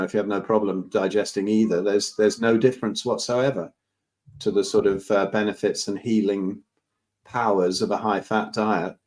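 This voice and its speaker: A man co-hosts a live Q&A over a video call, quick and lively with many stammering restarts. His voice sits a little low. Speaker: co-host on health Q&A. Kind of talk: live Q&A chat.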